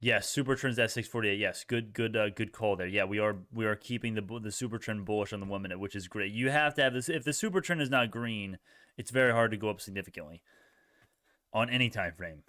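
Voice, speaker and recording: A man's voice: lowish voice, fast, pushed and bright, dry recording, studio quality. A young man hosting a casual live stock-trading stream, reacting to chat in informal bro slang and often repeating himself as he thinks aloud. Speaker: livestream host, retail stock trader.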